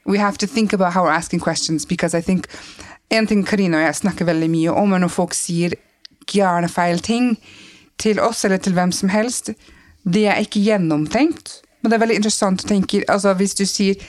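Heard with no room sound, a mid-range female voice belongs to a guest in an informal podcast conversation. She speaks emphatically and without softening, switching languages between Norwegian and English partway through sentences.

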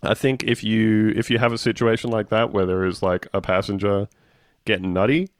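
Dry-humored man, low voice. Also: fairly even intonation, moderate pace, dry recording. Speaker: podcast co-host. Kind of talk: casual chat.

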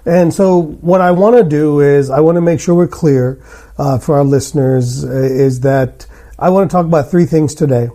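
A man with a fairly high voice and a very mellow, dark tone hosts a podcast. He talks conversationally and is blunt and opinionated. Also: moderate pace. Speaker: podcast host, general dentist. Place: hotel room.

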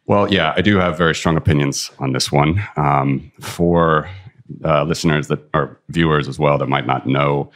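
A man's voice: extremely low pitch, normal speed, a bit bright. An American man from the Midwest, a podcast guest talking casually and hedging his views with disclaimers, recorded in person in a studio. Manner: hedging, self-deprecating disclaimers. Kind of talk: casual conversation.

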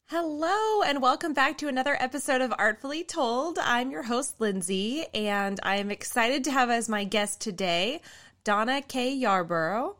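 A woman hosting an interview podcast, her voice sitting a little high. She talks in a relaxed, casual way and laughs easily between questions. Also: moderate pace. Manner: friendly, laughs often. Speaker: podcast host.

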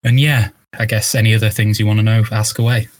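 A man's voice: on the low side, level tone, quick pace, no echo. A young man from northeast England, a guest in an interview, talking casually and thoughtfully with many restarts and ums. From Newcastle, northeast England. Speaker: guest, video essay narrator.

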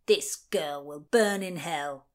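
A woman voicing a contemptuous sheriff with a gruff, scornful manner. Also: fairly high pitch, slow pace, pitched below the performer's own voice. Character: harsh male sheriff, contemptuous.

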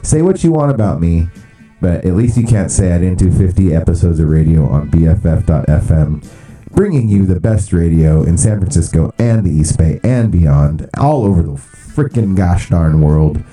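A male radio host chatting casually and jokily from a studio, rambling and swearing, sometimes putting on a mock booming announcer voice. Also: lively intonation, normal speed, warm tone, soft background music.

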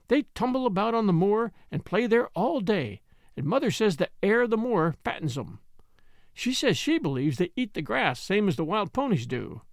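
A man's voice: sits high, no room sound, clean studio sound. A man voicing a talkative, good-tempered young housemaid with homely, outspoken speech in an audiobook. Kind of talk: audiobook character voice.

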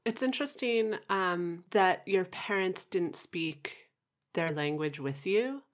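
Podcast host: woman, low register, thoughtful and tentative conversational interviewer. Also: slow pace. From Canada.

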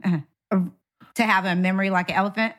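A woman's voice: medium pitch, fairly even intonation, quick pace, a bit bright. A woman chatting casually as a guest on a talk show. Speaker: podcast guest. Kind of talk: casual chat.

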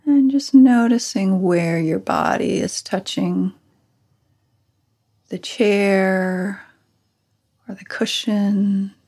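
Lady meditation teacher, really slow n gentle, breathy voice, lots of pauses. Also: medium pitch. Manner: gentle, unhurried instruction with long pauses. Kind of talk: guided meditation.

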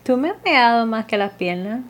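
A woman's voice: fairly high pitch, very animated, moderate pace. A woman hosting a casual chat outdoors in a park, joking and bantering playfully with her guest. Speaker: host.

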